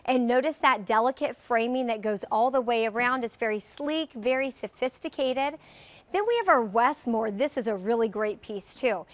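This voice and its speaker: Woman guest on live tv shopping, calm product description, higher pitch. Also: normal speed. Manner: warm, descriptive product talk. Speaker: brand representative guest. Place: TV studio set.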